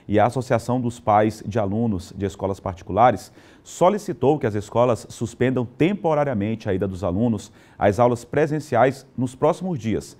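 A man's voice: fairly low pitch, warm tone. A man, presenting live morning news in a conversational, loosely ad-libbed way from a TV studio. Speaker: news anchor.

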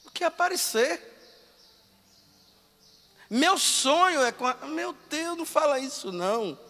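Male priest, animated conversational sermon, bright sharp tone, echo of a big hall. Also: very high-pitched, measured pace. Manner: lively, conversational preaching with quoted voices.

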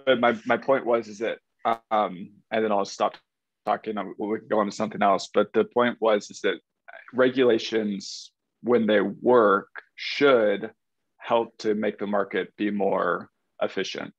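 A man with a low, gravelly voice rambles through his point in a casual group call, often leaning on "like." The sound is dry and close, with dull lo-fi call audio. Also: fairly even intonation, a little slow, no room sound. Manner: rambling, uses "like" often, apologetic. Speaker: meetup participant.

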